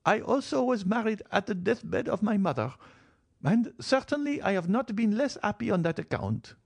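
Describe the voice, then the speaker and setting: A man putting on an imperious old marchioness, high and insistent. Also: sing-song, normal speed, vocal fry, dry recording, exaggerated voice. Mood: imperious, feverish. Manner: insistent, commanding and feverish. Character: frail, imperious old marchioness, obsessed with death. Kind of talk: audiobook character reading.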